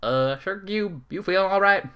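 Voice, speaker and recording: A man voicing a folksy female farm pony, awkward, halting and concerned, in a comic story. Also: high voice, clean tone, muffled recording, voice pushed up.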